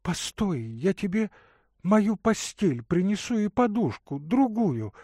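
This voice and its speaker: A man's voice: sits high, big pitch swings, slow, mellow, slightly rough, no echo, clean studio sound, voice pushed up, heavily acted. A man voicing a tender, caring young woman.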